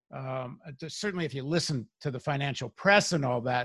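An unremarkable speaking voice from a man, medium in pitch with ordinary pitch variation at a moderate pace, dry and close with no echo on a very clean recording against a silent background. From Canada. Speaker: podcast host. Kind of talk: political interview.

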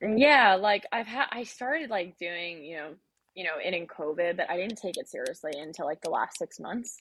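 With lively intonation, a woman talks at a moderate pace and medium pitch. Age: 20s. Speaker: sales recruitment manager. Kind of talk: casual chat. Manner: robotic-sounding.

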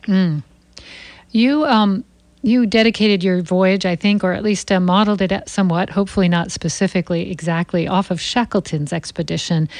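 Speaking at a moderate pace, a woman has a plain, everyday voice at medium pitch with ordinary pitch variation. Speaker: radio host. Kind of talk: radio interview. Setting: studio.

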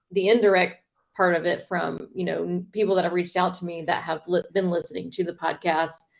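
A woman with an American accent, fairly low in pitch, with vocal fry, fairly even intonation and a moderate pace. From US South, Mobile, Alabama. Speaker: realtor. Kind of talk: casual interview chat.

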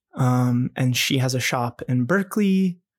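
A man with an American accent, at a medium pitch. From Florida. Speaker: quilt maker and performer. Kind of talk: casual interview chat. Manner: hesitant, many fillers.

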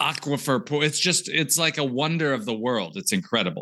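An energetic, animated man with a fairly high pitch and a bright, sharp tone against a quiet background. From US South (Texas and Georgia). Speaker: entrepreneur and author. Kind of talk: podcast interview. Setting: video call.

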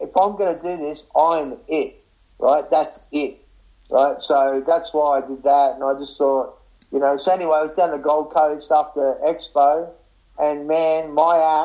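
In an Australian accent, a man speaks at a fairly slow pace with fairly high pitch. His intonation stays monotone and flat. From Australia, Brisbane. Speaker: street performer. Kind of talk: interview. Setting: video call.

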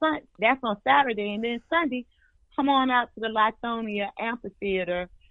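An unremarkable speaking voice from a woman, fairly slow and fairly high, with lively intonation. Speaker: festival organizer guest. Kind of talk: radio interview. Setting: phone call.

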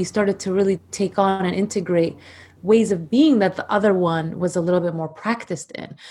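A woman speaks at a fairly quick pace in a medium pitch. Her voice is somewhat breathy, with ordinary pitch variation. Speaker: guest, relationship coach and partner of host. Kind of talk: podcast interview, personal conversation.

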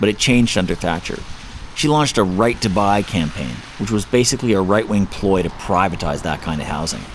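Over noticeable background noise, a man with a Canadian accent talks fairly quickly in a fairly low voice with lively intonation. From Canada. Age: 40s. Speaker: podcast host and former heroin user. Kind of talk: documentary narration.

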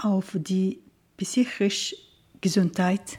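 A woman with an Arabic accent speaks in a dark, mellow tone that is somewhat breathy. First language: Arabic (speaking German). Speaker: radio journalist. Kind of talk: interview.

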